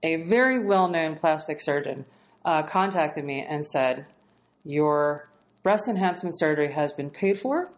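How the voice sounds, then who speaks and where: A woman guest telling a story in casual, animated talk, swearing freely and laughing as she goes. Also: low-pitched, unhurried. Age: adult, past marriage. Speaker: podcast guest.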